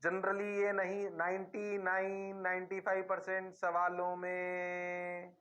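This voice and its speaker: Slow, bright-voiced male physics teacher. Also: sits high, monotone, lo-fi sound, soft background music. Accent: Indian. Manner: drawn-out, playfully voices students' replies to himself. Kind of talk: classroom lecture.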